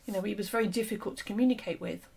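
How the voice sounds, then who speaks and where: A woman hosting an interview and talking through an idea in an earnest, explanatory way, her voice fading and a little hoarse. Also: medium pitch, very fast, darkish tone, rough recording. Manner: earnest, explanatory, with frequent fillers and restarts. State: losing her voice. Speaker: host. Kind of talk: conversational discussion.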